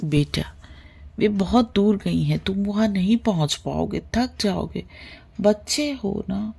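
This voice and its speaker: A woman voicing a gentle young uncle who talks to a child in a soft, coaxing way in a storybook reading. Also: medium pitch, slow, vocal fry, slightly rough, full character voice.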